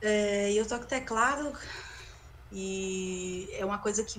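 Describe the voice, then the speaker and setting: The voice belongs to a woman. Her pitch is medium. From Recife, Brazil. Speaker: anime rap singer. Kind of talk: casual chat.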